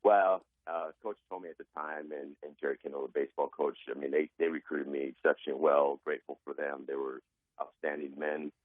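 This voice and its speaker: A man in his forties from Arizona, a raspy-voiced guest speaking earnestly with many fillers over a phone line. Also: extremely low pitch, flat delivery, fairly quick, no room sound. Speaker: guest, athletic director. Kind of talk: phone interview.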